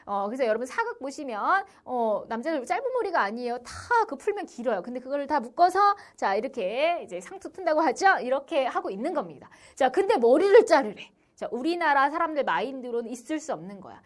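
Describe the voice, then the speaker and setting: A young woman teaches a history lesson to middle schoolers in a bright, high voice. Her pitch swings widely as she talks. She keeps saying "자" between phrases and briefly acts out the people in her story. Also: fairly quick, hardly any pauses. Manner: lively, uses "자" as a constant filler, acts out short quotes. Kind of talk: online lecture for middle school students.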